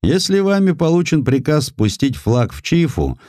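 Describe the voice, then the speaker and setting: Man performing sceptical official, audiobook character, condescending, scoffing, raised pitch, lively melody. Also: normal speed, dry recording, clean studio sound. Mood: scoffing surprise. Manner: scoffing, exclaiming. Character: sceptical, condescending Russian consul, puzzled by subordinate.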